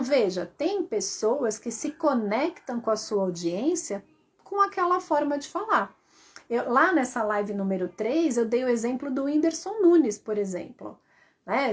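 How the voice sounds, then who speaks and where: A woman voice coach giving a lively live-stream lesson, asking her viewers rhetorical questions. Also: on the high side.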